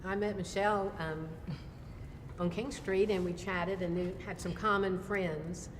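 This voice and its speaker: A woman's voice: medium pitch, steady tone, unhurried, long reverb tail, slight background noise. A woman with a Charleston, South Carolina accent, telling a story casually in an interview. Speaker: amateur performer in a dramatic reading.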